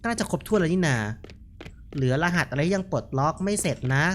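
Animated man chatting through a horror game. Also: a little high, fast, slight background noise. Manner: chatty, jokey, laughs often. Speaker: gaming streamer. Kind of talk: casual horror game commentary.

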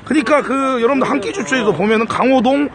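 A man doing a casual live stream from a car, loud and excitable, swearing and thanking viewers. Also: very high-pitched, fast talker, a crowd in the background.

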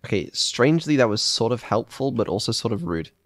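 A man's voice: mid-range voice, lively intonation, fairly quick, no room sound. A man streaming a game and chatting casually, with understated, dry reactions. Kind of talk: casual chat while gaming.

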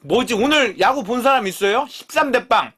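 A man's voice: extremely high pitch, normal speed, slightly rough. A man in his thirties hosting a live eating stream, chatting casually with viewers and swearing freely as he bickers with them. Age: 30s. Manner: lively, jumps between mumbling and loud outbursts.

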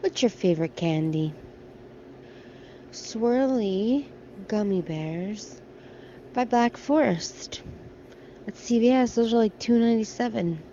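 A middle-aged American woman chats her way through the aisles of a big discount store, thinking aloud about products. Her voice is mellow and soft-edged, picked up by a handheld phone, with faint store hum behind her. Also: on the high side, takes it slowly, pauses often, muffled recording. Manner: chatty, thinking aloud while browsing. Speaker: shopping vlogger. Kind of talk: casual shop-with-me vlog. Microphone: handheld phone camera.

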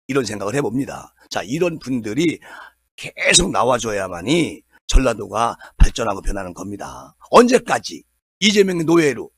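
Indignant high-pitched male commentator. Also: husky. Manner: indignant, emphatic, with rhetorical questions. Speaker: political commentary channel host. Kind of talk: political commentary monologue.

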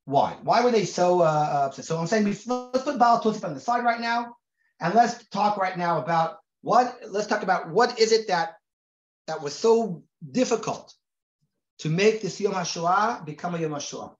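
Israeli-raised rabbi teaching in an echoey room. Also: male voice, sits high, expressive. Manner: conversational, many restarts and repeated words; reads Hebrew sources aloud quickly. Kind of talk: recorded lecture to a group. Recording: roomy, dull lo-fi sound.

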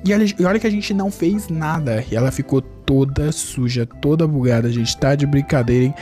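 A man from Brazil giving excitable gameplay commentary as a YouTuber, chatting nonstop to his viewers and jumping high in pitch when something surprises him. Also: fairly quick, faint music behind. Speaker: gaming YouTuber.

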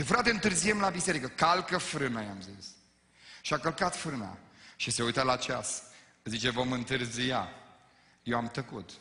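A man with a Romanian accent preaching a sermon, calling out questions to the congregation and swinging between loud exhortation and quiet storytelling. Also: mid-range voice. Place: church. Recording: live sermon in a reverberant church hall.

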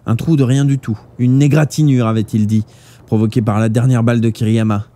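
A man reading a novel aloud live, with expressive narration. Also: medium pitch, a little fast. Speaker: audiobook reader.

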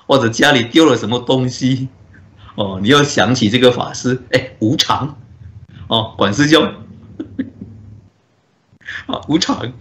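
A man, a Buddhist monk, giving a dharma talk as a story, with drawn-out filler particles and frequent chuckles. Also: medium pitch, fairly bright tone.

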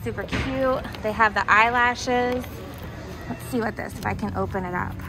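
Filming herself on a handheld camera or phone, a young American shopping vlogger gives casual, excited commentary as she raves about products in a discount store. Her pitch is fairly high and her speed normal. Background noise and music can be heard.

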